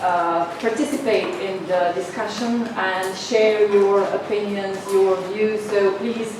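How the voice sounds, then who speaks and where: A woman from northern Slovenia gives a seminar lecture, pausing often on filler sounds and inviting the audience to answer her questions. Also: mid-range voice, steady tone. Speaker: guest lecturer. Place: lecture room. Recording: very echoey room, mic far off, noisy.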